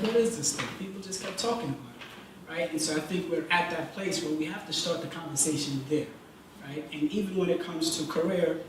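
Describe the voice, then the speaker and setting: A man from Jamaica speaking on a panel, talking in an energetic, conversational way with rhetorical questions. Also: fairly high pitch, slight background noise. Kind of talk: panel discussion. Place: event hall. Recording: echoey hall from far off.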